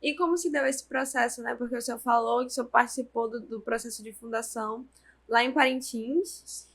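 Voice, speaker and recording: A woman's voice: on the high side, fairly even intonation, brisk, a bit bright. A woman interviewing a guest, asking curious follow-up questions and giving short acknowledgments. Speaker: podcast interviewer.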